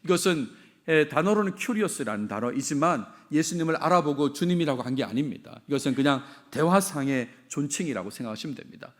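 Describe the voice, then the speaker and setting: Middle-aged male pastor, fairly high voice, very animated delivery, echoes his key lines back to the pews. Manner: expressive, repeats key phrases, asks the congregation questions. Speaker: senior pastor. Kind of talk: sermon.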